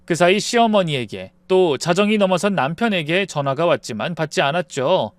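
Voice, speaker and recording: A woman's voice: on the low side, expressive, normal speed, dry recording. A woman narrating a first-person family drama story. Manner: emotional, shouting in quoted lines.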